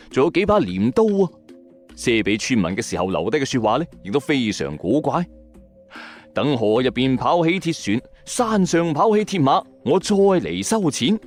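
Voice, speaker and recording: A man with a Hong Kong Cantonese accent narrating scripted eerie tales as a dramatic late-night storytelling host. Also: mid-range voice. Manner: dramatic storyteller addressing listeners, acting out quoted lines. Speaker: host of a late-night ghost story and urban legend show. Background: background music.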